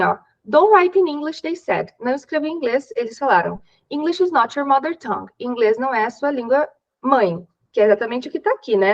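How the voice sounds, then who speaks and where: A woman's voice: on the high side, highs cut off. A young Brazilian woman who teaches English in an exam-prep class, walking through reading techniques in a chatty, step-by-step way and checking in with her students often. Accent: Brazilian Portuguese. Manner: chatty, explains step by step, frequent "né?". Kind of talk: online exam-prep lesson.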